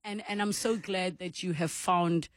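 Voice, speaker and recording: A woman's voice: lowish voice, fairly even intonation, unhurried, no echo, clean studio sound. A woman hosting a radio interview, effusive, playful and teasing with her guest. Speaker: radio host. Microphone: studio microphone.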